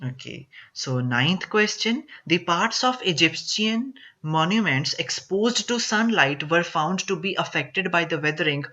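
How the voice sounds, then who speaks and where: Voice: medium pitch, expressive, measured pace, few pauses, bright, forceful tone, lo-fi sound. A teacher explaining exam reading answers line by line, restating the text with many fillers and restarts. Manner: repetitive, paraphrases text with fillers.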